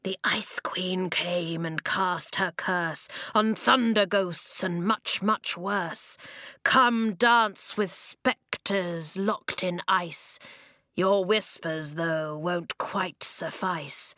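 A woman performs menacing storybook ghosts with gaping mouths. The rhyming chant is slow and drawn out, hungry and taunting, in a dry recording. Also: lowish voice, sharp tone, no room sound, exaggerated voice.

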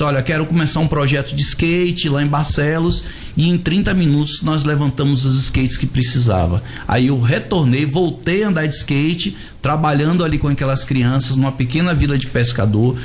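A man's voice: on the high side, a little fast. Bahian man telling stories, noisy background. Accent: Bahian Brazilian. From Salvador, Bahia, Brazil. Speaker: guest, pastor and skate ministry leader. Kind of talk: conversational storytelling in a radio interview.

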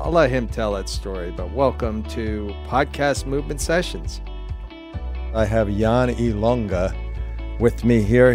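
A man hosting a podcast interview, upbeat and joking, jumping in with quick follow-up questions. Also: mid-range voice, a little mellow. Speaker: podcast host. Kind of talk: casual interview.

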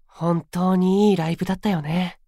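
A male actor playing a gentle, polite and sweetly earnest young idol with a soft, boyish delivery in a Japanese voice drama. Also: high voice, steady tone, normal speed, gravelly, no room sound, clean studio sound. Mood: fond. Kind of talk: Japanese anime-style voice drama acting.

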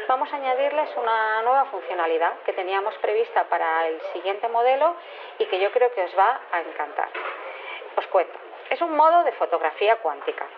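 A woman's voice: medium pitch, lightly acted. Female lab staffer played by a woman: Spain accent, enthusiastic and casual, slightly dull message audio, faint noise. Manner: chatty, enthusiastic. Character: chirpy, casual female laboratory staffer announcing gadget features. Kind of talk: casual spoken announcement.

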